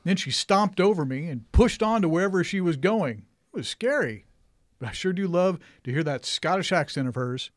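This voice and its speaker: A man's voice: sits high, expressive, normal speed, dry recording, clean studio sound. A man playing a cheerful radio station volunteer in a comedy sketch, earnest and a bit pompous about his ideas. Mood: amused.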